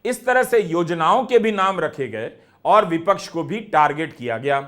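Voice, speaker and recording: Lively higher-voiced male news commentator. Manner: measured, explanatory narration.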